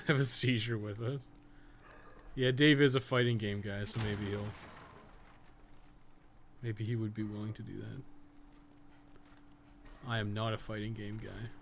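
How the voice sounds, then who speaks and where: A man's voice: on the low side, steady tone, unhurried, vocal fry, long pauses, slight background noise. A man doing casual, profane, joking video game commentary as he chats with stream viewers. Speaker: live streamer, podcast co-host.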